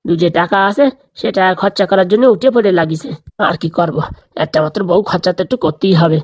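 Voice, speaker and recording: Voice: mid-range voice, brisk, no echo, clean studio sound, close to an everyday voice. A performer playing a meek, henpecked priest husband in a comedy cartoon, pleading and placating. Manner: pleading, placating, mildly grumbling.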